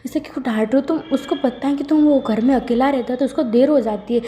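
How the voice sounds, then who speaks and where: A woman voicing a calm older brother who gently reproaches his younger sibling. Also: sits high, fast, a little hiss or hum, pitched above the performer's own voice, close to an everyday voice. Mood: reproachful. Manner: pleading, reproachful.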